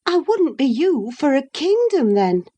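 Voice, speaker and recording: Woman doing haughty young lady, emphatic, high and lively, for a storybook reading. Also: unhurried. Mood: scornful. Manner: emphatic, cutting, declamatory. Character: proud, scornful young noblewoman, emphatic. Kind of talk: audiobook dialogue reading.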